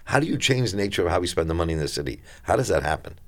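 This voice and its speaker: A man hosting a live call-in radio talk show from a studio, with a smooth radio host delivery. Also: sits low, sing-song, racing.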